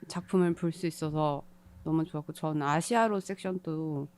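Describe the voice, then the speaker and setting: A woman's voice: deep voice, moderate pace, a little mellow. A woman speaking casually as a guest animation director in an interview.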